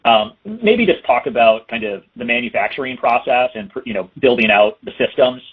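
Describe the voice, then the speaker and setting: A man's voice: medium pitch, lively intonation, moderate pace, husky. A man asking questions as an analyst on an earnings call, polite and tentative in his phrasing. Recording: phone-like conference call line.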